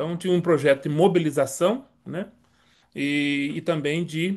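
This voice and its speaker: A high-pitched man's voice at a moderate pace, with ordinary pitch variation and a quiet background. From Brazil, interior of São Paulo state (Taubaté). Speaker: missions pastor, missionary. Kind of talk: testimony.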